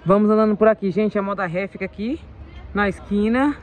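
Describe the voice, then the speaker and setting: A woman's voice: mid-range voice, fairly quick, darkish tone. A mother chatting casually to viewers as she films her family's day at home and out walking. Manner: chatty, addresses viewers as "gente", coos to her children. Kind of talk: casual vlog narration. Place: home and outdoors on a hot street and park.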